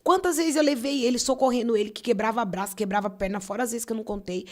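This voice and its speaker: A woman's voice: on the high side, fast talker. Woman telling an emotional testimony. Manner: animated storytelling, acting out quoted voices, often dropping to a soft near-whisper. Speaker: guest sharing a testimony.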